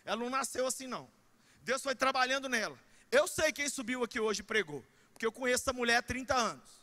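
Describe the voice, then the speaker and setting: A middle-aged Brazilian pastor preaching in church, his voice pitched unusually high and ringing bright. He swings into shouts and joking asides as he drives the sermon forward. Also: expressive, quick pace. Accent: Brazilian Portuguese.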